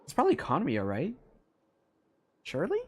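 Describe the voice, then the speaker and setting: A man's voice: a little high, wildly swooping pitch, moderate pace, husky. A man who streams games, giving casual live commentary. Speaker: game streamer.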